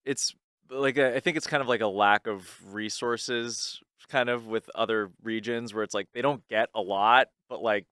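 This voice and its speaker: A man's voice: medium pitch, steady tone, moderate pace, sharp tone, clean tone, no echo, studio quality. A man co-hosting a podcast, speaking in a laid-back, hedging way that often trails off. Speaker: podcast co-host. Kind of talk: casual podcast chat.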